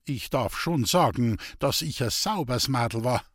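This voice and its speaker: A man's voice: mid-range voice, animated, measured pace, no room sound, studio quality. A man voicing a weary, bitter old village woman speaking in Bavarian dialect in a storybook reading. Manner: plaintive, bitter, resigned.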